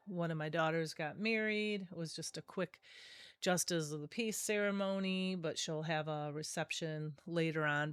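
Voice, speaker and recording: This craft video host is a middle-aged woman whose low, smooth voice sounds nasal from a cold, recorded with no echo. In her casual tutorial voice-over she chats and rambles, frequently correcting herself along the way.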